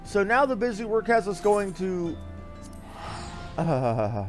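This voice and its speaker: A man's voice: high voice, very animated, slow, faint music behind. A man giving casual live game commentary as a streamer, rambling and blunt with some mild swearing. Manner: rambling, blunt, mildly profane.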